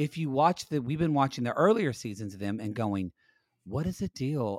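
Speaking at a fairly quick pace, a man with an American accent has an ordinary speaking voice and lively intonation. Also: dry, close sound with no echo, very clean recording, silent background. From Oklahoma. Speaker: podcast host. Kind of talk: casual chat.

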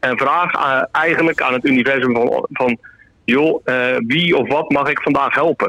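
A man talks at a moderate pace in a fairly high pitch with ordinary pitch variation, and noticeable background noise can be heard. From Netherlands, near Dordrecht. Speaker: caller, forklift salesman. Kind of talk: phone-in chat. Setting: phone call.

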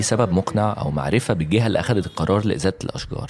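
Over noticeable background noise, a man with fairly low pitch talks at a very fast pace. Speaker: podcast producer and narrator. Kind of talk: scripted narration.

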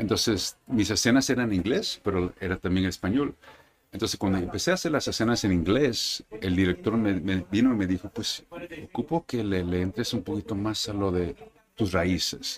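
Speech moves at a moderate pace. Pitch variation is ordinary. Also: man, fairly low pitch for a man. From Brooklyn, New York. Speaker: actor and acting workshop teacher. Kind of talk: casual interview chat. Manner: halting, with repetitions.

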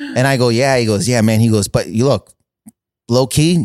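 A man talks in an ordinary speaking voice at a fairly quick pace with ordinary pitch variation. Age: 40s. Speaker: comedian. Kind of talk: casual chat. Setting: studio.

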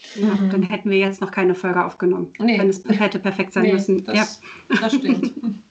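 Speaking at a fairly quick pace with hardly any pauses, a woman keeps a medium pitch, very even loudness and fairly even intonation. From Germany, Mainz area. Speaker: language teacher and podcaster. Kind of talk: casual interview. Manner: hesitant with many fillers.

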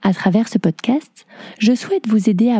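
At a fairly slow pace, a woman speaks in a dark, mellow, soothing and calm tone that is somewhat breathy, with a dry, close sound and no echo. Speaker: yoga teacher and meditation guide. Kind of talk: guided meditation. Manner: soothing, slow, calm; soft-spoken, gentle.

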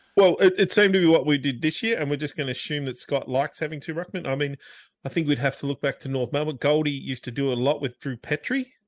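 Talking at a very fast pace, a man has a fairly high pitch and ordinary pitch variation. The sound is dry and close with no echo. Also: quiet background. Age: 30s. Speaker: podcast co-host. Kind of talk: casual chat.

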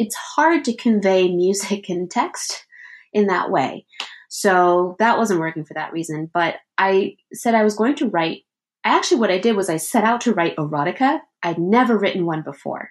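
Against a quiet background, a woman speaks in an ordinary speaking voice. Her medium pitch moves with lively intonation. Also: moderate pace. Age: 30s. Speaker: author. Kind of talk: casual interview chat.

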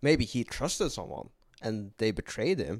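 Lively intonation from a man at medium pitch, fairly slow pace, in a very clean recording with a silent background. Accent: Norwegian. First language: Norwegian. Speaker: podcast co-host, HVAC engineer. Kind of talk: casual chat. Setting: bar.

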